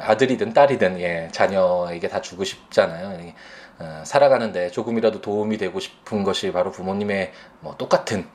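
A man in his thirties, a father, speaking reflectively about his son, pausing often with fillers. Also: deep voice, darkish tone. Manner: slow, hesitant, many fillers. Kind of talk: reflective personal testimony.

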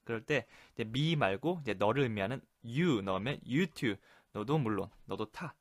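A man teaching English expressions in a relaxed explanatory lesson, repeating phrases slowly for practice. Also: mid-range voice, no echo. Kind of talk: Korean-language English lesson explaining sitcom lines.

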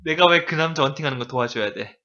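A man's voice: on the high side, fast talker, pushed and bright, highs cut off. A man coaching English in a casual, teasing chat, laughing often as he explains phrases. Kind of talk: casual language lesson chat.

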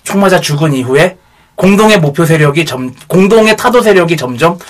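A man with a high-pitched, animated voice chats as a talk show panelist. He explains things casually and teases his colleagues with irreverent bluntness. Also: brisk. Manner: irreverent, teasing. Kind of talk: casual explanatory political chat.

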